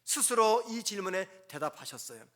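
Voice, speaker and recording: A male pastor delivers a sermon at a dawn prayer service in a church, speaking earnestly and emphatically in short phrases separated by pauses. His voice sits high, sharp in tone and very animated.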